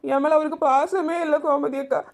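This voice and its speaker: A woman's voice: high-pitched, fairly even intonation. A woman playing a young village wife who banters sharply with her neighbours and feels let down by her husband. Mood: hurt. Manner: quick, sharp-tongued teasing, then wounded. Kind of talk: village family drama acting.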